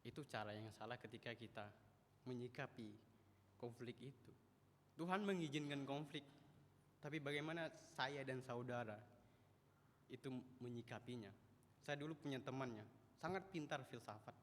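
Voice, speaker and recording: A man in his twenties preaching a sermon in a church, chatty and animated, acting out the voices he quotes. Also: mid-range voice, normal speed, pauses often, slight background noise. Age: 20s. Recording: echoey church hall.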